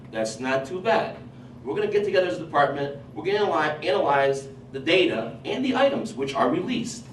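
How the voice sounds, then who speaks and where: A man who grew up in Portugal and whose first language is Portuguese, a high school teacher testifying at a public hearing in an earnest, animated way. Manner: earnest, animated when quoting himself and students. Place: large hall at a public hearing. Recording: roomy hall, voice from a distance, faint noise.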